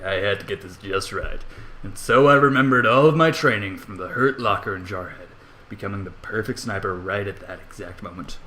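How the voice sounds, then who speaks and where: A man's voice: fairly low pitch, brisk, sharp tone, slight background noise. A man narrating a comedic story theatrically, with irreverent, sweary asides. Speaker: amateur fan fiction reader.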